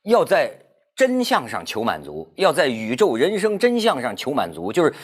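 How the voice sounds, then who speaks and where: A man telling a story in a casual round-table talk, animated, with many restarts. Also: medium pitch, moderate pace, breathy edge. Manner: animated storyteller, stammering restarts, laughs while talking.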